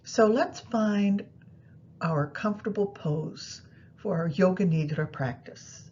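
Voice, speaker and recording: A woman guiding a meditation practice in a soothing, unhurried manner, pausing between phrases. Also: darkish tone. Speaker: yoga nidra meditation guide. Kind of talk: guided meditation instruction. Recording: muffled, low rumbling background noise.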